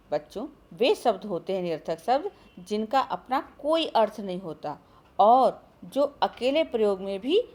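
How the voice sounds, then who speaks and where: A woman's voice: mid-range voice, a little mellow. A woman teaching a grammar lesson to schoolchildren, calling them often and asking questions she then answers herself. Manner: addresses children often, asks and answers her own questions. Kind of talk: recorded online grammar lesson.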